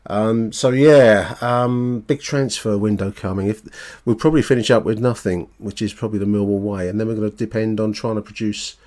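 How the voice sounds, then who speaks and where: Guy with a lowish voice hosting a footy podcast, thinks out loud, kinda halting, chatty opinions. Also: steady tone. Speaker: football fan podcast host. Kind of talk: conversational football commentary.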